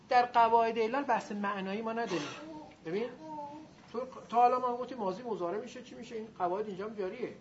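A woman teacher giving a grammar lecture to a class, lively and drilling her students in call-and-response. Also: mid-range voice. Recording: muffled recording with faint noise.

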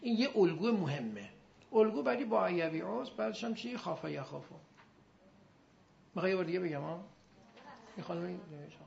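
A man teaching Arabic grammar in a classroom, chanting verb forms in rhythmic drills and firing quick questions at his students. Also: sits high, animated, vocal fry. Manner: recites verb forms in a loud rhythmic chant, then drops to quiet asides. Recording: dull lo-fi recording with faint background noise.

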